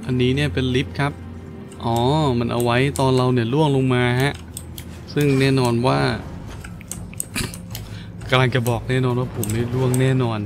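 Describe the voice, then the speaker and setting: A man's voice: mid-range voice, little pitch movement, moderate pace, pauses often. A man giving casual, playful let's-play commentary, full of exclamations and his own vocal sound effects. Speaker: gaming video host.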